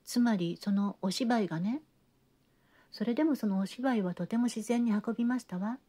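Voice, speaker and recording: A woman's voice: a little high, normal speed, dark tone, natural voice. A woman reading an audiobook, voicing a theatrical, talkative genteel lady who chatters on with refined, breathless sentences. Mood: gossiping. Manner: gushing, breathless chatter with refined feminine endings. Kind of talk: audiobook reading of a classic novel.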